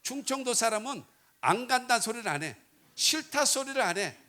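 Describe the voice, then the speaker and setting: High-voiced folksy Korean pastor preaching. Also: male voice, big pitch swings, normal speed. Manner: folksy, joking, swings between loud and quiet. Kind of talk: revival sermon.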